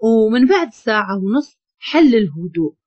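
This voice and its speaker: A woman's voice: on the high side, sing-song, normal speed, a little mellow, no echo. Chatty Moroccan woman telling a story. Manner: chatty, humorous asides. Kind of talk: first-person storytelling narration. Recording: dull lo-fi recording.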